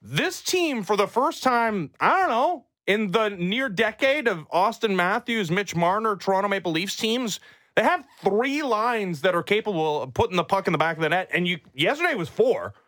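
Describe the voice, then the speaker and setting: A man's voice: sits high, big pitch swings, normal speed, fairly bright tone, dry recording. A man hosting sports talk radio, emphatic and opinionated, close on a studio mic. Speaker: sports radio morning show host. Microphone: close studio microphone.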